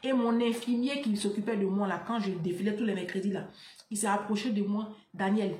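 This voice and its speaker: A woman's voice: mid-range voice, steady tone, a little fast, a little mellow, a little hiss or hum. Fiery woman ranting, echoey room. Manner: fiery, scolding, repeats "là" and "hein". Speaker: online commentator. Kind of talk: impassioned monologue to camera.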